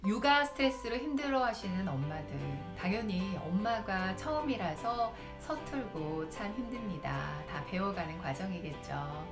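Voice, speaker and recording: A woman's voice: mid-range voice, moderate pace, hardly any pauses, music in the background. A woman speech lecturer and YouTuber giving advice, speaking directly to her viewers. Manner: lively, directly addresses viewers. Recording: roomy echo.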